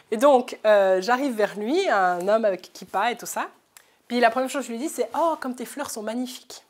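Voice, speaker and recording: Lively French-Swiss woman telling stories. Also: a little high, moderate pace. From Switzerland. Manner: lively anecdotal, laughing often. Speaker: journalist speaker. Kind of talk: lecture storytelling. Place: lecture hall, live audience.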